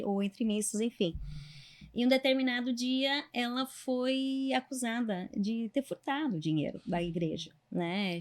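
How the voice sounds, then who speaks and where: A woman lawyer who tells a case story in measured, hesitant phrases and keeps checking in with "né?". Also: medium pitch. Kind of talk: conversational storytelling.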